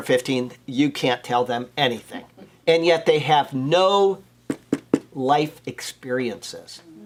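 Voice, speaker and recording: A man with an American accent speaks fairly slowly. Noticeable background noise runs behind him. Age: 60s. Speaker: Bible teacher. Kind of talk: Bible study teaching. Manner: conversational.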